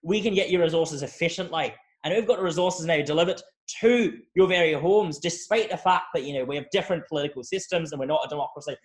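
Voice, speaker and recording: Man doing a boastful spokesman in a put-on Scottish accent, slow and emphatic, voice a bit high. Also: echoey room, close to an everyday voice.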